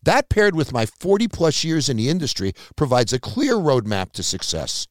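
A man's voice: medium pitch, very animated, normal speed, no echo, clean studio sound. An older man delivering a scripted advertisement as a franchisor. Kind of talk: scripted ad read.

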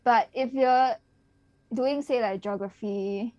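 A woman talking as a guest in a casual conversation, explaining things in a steady, even way. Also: a little high, slow, dry recording, lo-fi sound.

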